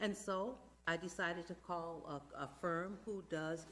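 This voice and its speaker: Audible room echo surrounds speech delivered at a very slow pace. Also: woman. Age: 70s. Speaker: community volunteer. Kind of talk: public comment at council meeting. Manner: halting.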